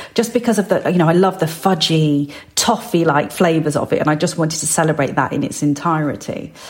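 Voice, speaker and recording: Noticeable background noise sits behind a woman with a West Midlands accent. Her fairly low voice moves at a fairly quick pace. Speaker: cookbook author and home cook. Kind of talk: interview. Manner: hesitant, many fillers.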